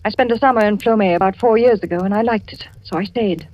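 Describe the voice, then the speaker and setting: An actress with an English accent playing a frightened young wife who pleads for protection in a 1940s radio drama. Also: female voice, mid-range voice, fast talker, a little mellow, lightly acted. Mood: fearful. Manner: anxious, pleading, breathless. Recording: dull old radio recording.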